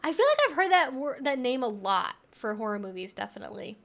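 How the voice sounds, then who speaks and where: A woman's voice: high voice, very animated, brisk, a bit bright. A young woman hosting a livestream, chatting in an informal, rambling way as she answers viewer comments. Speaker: livestream host.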